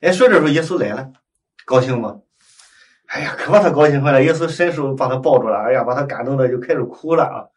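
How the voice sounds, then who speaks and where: A man leading Catholic prayer, telling a story in conversation and acting out the quoted dialogue with lively voices. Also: medium pitch, quick pace, distant mic.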